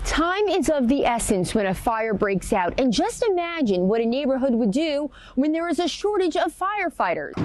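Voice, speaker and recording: A woman speaks at a high pitch with very wide pitch swings, a moderate pace and hardly any pauses. Her loudness stays very even despite noticeable background noise. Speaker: TV news reporter. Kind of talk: news anchor read.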